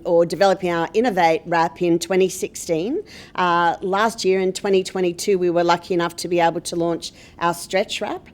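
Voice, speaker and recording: An Australian woman presenting at an event, introducing speakers in a semi-formal, loosely scripted and somewhat hesitant way. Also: fairly low pitch.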